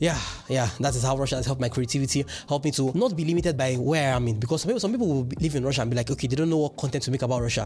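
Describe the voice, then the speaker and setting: A man speaks at a fairly high pitch in an animated, somewhat breathy tone with ordinary pitch variation. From Nigeria. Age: 20s. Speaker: vlogger. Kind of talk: casual vlog monologue. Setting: talking to camera. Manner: occasional stutter.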